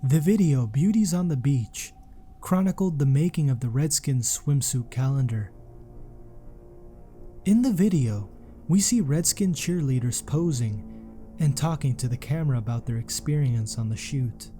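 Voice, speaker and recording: A man reading a scripted sports documentary narration in a measured, serious way. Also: medium pitch, expressive, warm tone, faint music behind.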